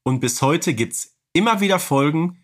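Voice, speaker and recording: A man's voice: a little high, expressive, moderate pace, a bit bright. A man chatting as a podcast co-host in a casual, humorous style.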